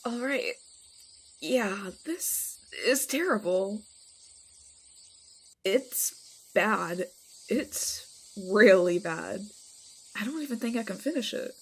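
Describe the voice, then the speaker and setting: A woman's voice: medium pitch, animated, takes it slowly, long pauses, slightly rough, heavily acted. A woman playing a chatty, teasing, affectionate vampire friend in a casual roleplay audio drama. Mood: disgusted.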